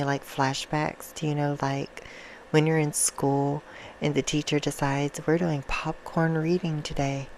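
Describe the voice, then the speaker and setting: A soft-spoken woman chatting casually and affectionately to her viewers in an ASMR style, with an informal, self-deprecating manner. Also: deep voice, a little hiss or hum, rough recording. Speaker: ASMR video creator and host.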